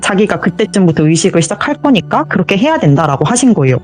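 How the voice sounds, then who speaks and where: A woman's voice: mid-range voice, very animated, fast talker, a little mellow, soft background music. A woman telling her own true ghost story as a guest, vividly acting out the voices in it.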